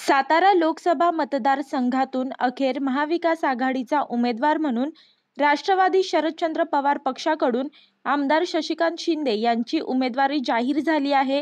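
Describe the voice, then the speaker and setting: A woman speaks at a high pitch with ordinary pitch variation. Her loudness stays very even, and the background is quiet. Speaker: news voice-over artist. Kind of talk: TV news report narration.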